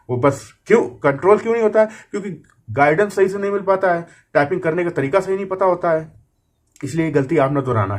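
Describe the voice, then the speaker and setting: A man teaching a typing lesson, patiently explaining and drawing out each word slowly as he types it. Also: a little high, husky. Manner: patient, repeats words slowly while typing them. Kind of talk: screen-recorded typing lesson. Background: keyboard clicks.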